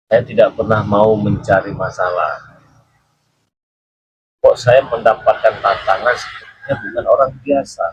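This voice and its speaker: A man's voice: lowish voice, measured pace, pauses often, muffled recording, a little hiss or hum. A man hosting a live stream, telling a rambling story with frequent chuckles and questioning a child. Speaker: channel host.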